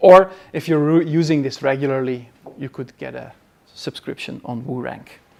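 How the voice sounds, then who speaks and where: A man's normal speaking voice, fairly high and fairly even in intonation, at a moderate pace with big swings in loudness. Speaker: marketing trainer. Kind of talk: workshop lecture.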